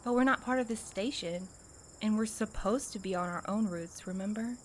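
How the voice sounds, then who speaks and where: Woman playing a wary, sardonic woman, mid-pitched. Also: normal speed, a little hiss or hum, natural voice. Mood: skeptical, wry. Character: wary, sardonic but loyal woman, uneasy sidekick. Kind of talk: naturalistic audio drama acting.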